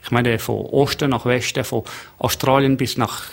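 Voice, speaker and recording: A middle-aged man with a gravelly, creaky edge to his voice, a French native speaker talking in a radio studio. He tells his stories warmly, leans hard on key words and restarts his sentences now and then. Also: medium pitch, level tone, normal speed. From Geneva, Switzerland. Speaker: hotelier, radio guest. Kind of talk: radio interview.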